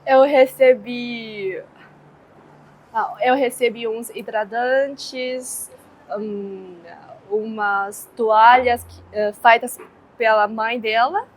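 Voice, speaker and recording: A woman's voice: a little high, fairly even intonation, drawn-out words, poor audio. A young woman from China with a Chinese accent, answering interview questions in a hesitant way with many fillers.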